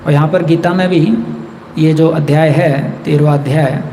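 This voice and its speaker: A man with a high, light voice gives a scripture class in a temple, explaining verses steadily and chanting lines now and then. His voice rings with the long reverb of a large hall, over a faint room hum. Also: fairly even intonation, moderate pace, mellow. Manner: explains verses, chants Sanskrit, reads English quotes. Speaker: temple speaker.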